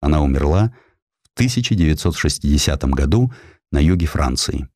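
A man reading a historical essay as a dramatic audiobook narrator, with expressive, measured literary phrasing into a close studio mic. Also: rumbling low, dry recording. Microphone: close studio microphone.

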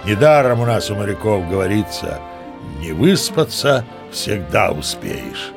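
A man's voice: fairly low pitch, big pitch swings, unhurried, vocal fry, over music, exaggerated voice. An actor playing a boastful old sea captain who tells tall tales expressively in an audio play, savoring his words. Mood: wistful, content. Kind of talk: theatrical storytelling in an audio play.

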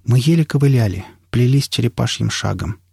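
A man narrating an audiobook in the first person in a steady storytelling manner. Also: mid-range voice, brisk, vocal fry, husky, no room sound, clean studio sound.

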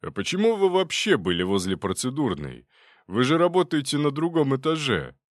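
A man voicing a gruff, stern male doctor who scolds his interns loudly. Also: medium pitch, very animated, normal speed, no room sound, clean studio sound, pitched above the performer's own voice, close to an everyday voice. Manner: barking, exasperated scolding.

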